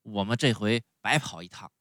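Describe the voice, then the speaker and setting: A storyteller voicing a loud, blunt black rabbit carrying a small coffin. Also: medium pitch, moderate pace, dry recording, studio quality, natural voice.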